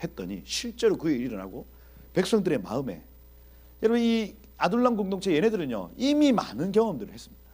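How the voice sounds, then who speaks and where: A man teaching a Bible exposition in an animated preaching style, speaking directly to his audience and acting out scenes. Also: sits high, fast, slightly rough. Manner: animated, acts out quoted dialogue.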